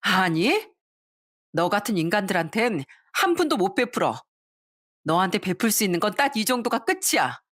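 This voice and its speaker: A woman voicing her own younger self as a furious wife, shouting sharply at her in-laws in a storybook drama. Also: mid-range voice, sing-song, moderate pace.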